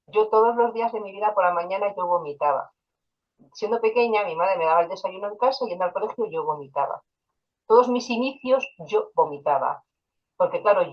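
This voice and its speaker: A woman's voice: mid-range voice, lo-fi sound. A woman, an interview guest and hypnotherapist, telling personal stories in a casual way and quoting dialogue along the way. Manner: personal storytelling with quoted dialogue and fillers.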